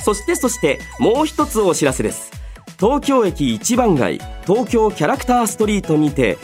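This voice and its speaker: A male radio host with a fairly high voice and very animated intonation. He talks in a polite, chatty manner, switching between casual talk and announcements, with music playing behind him. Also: normal speed. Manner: polite, chatty, frequent soft "ne" tags. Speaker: radio show host and voice actor.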